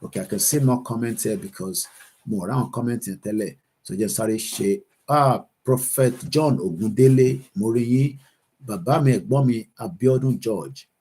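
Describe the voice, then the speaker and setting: A man's voice: lowish voice, warm tone, breathy edge. A Nigerian man with a Yoruba accent hosts a political livestream, switching between English and Yoruba as he reads out viewer comments. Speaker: host of an online political livestream.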